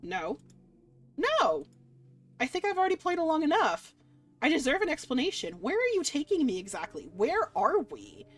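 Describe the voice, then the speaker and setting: A woman's voice: high-pitched, huge pitch swings, normal speed, voice pushed up. Wary, defiant human lead for a fantasy game, read by a woman, sarcastic and questioning, music underneath. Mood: indignant, confused.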